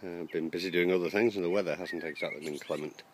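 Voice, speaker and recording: Low-pitched and steady, the man moves quickly through his hesitant, um-filled narration as he strolls his allotment. Slight background noise comes through the handheld outdoor recording.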